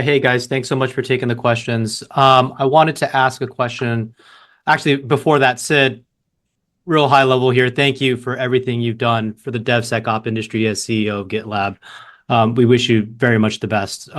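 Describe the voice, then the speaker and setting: A man's voice: mid-range voice, fairly bright tone. A man asking questions as a financial analyst on a conference call, informal and courteous.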